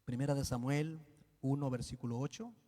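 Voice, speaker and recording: A man preaching a sermon in church, animated and joking with the congregation. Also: medium pitch, normal speed, long reverb tail.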